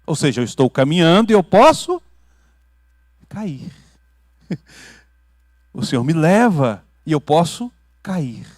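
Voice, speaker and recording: A Brazilian man preaching a teaching sermon as pastor, building to loud emphatic peaks and dropping to quiet asides, often checking in with his listeners. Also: fairly high pitch, big pitch swings, slow pace, long pauses, no room sound, studio quality. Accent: Brazilian Portuguese. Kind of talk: teaching sermon with questions to the congregation. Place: church hall.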